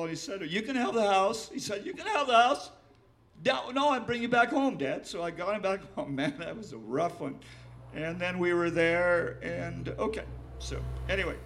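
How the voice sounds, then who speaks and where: Halting, emotional older man poet. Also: a little high, fairly bright tone. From Willamette Valley, Oregon. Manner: halting, emotional, repeats himself, swears. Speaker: poet reading his work. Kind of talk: poetry reading with spoken asides.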